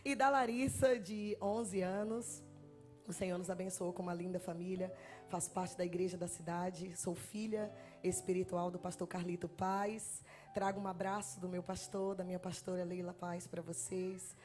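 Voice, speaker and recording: A woman's voice: lowish voice, flat delivery, moderate pace, a little mellow, soft background music. Nervous, joking Bahian woman preacher. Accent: Bahian Portuguese. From Bahia, Brazil. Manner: chatty, self-deprecating, jokes with the congregation. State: nervous, trembling. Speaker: guest preacher. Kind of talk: sermon with joking testimony. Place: church sanctuary. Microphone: handheld mic.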